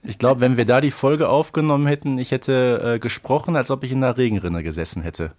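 A man co-hosting a podcast in casual chat, jokey and hesitant, with many pauses and fillers. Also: medium pitch, a little mellow. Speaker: podcast co-host.

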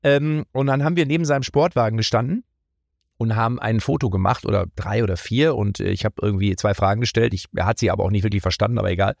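A middle-aged man telling lively anecdotes in a casual podcast chat, often slipping into mock Italian voices. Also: on the low side, quick pace, gravelly, no echo. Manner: animated storyteller, slips into mock Italian voices. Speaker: comedian guest.

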